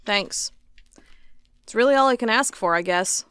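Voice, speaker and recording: A woman's voice: medium pitch, normal speed, a bit bright, clear, resonant tone, no echo, lightly acted. A woman playing a stubborn, sarcastic investigator of cold cases in an audio drama, with a wry, defiant manner. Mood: earnest, wry. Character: stubborn, sarcastic female cold-case investigator hunting monsters.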